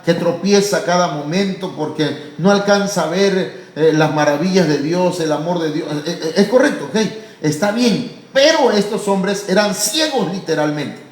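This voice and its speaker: A man preaching a sermon as pastor, fervent and often addressing listeners as brother, sometimes rising to loud drawn-out cries. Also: a little high, echoey room, low-quality recording. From Mexico. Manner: fervent, repeatedly calling listeners "hermano"; rises to loud, drawn-out cries when acting out pleas. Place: church.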